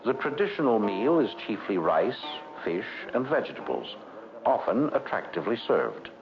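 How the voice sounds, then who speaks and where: A man narrating a scripted 1960s educational documentary in a measured, formal delivery. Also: lowish voice, big pitch swings. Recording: dull vintage 1960s film soundtrack. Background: background music.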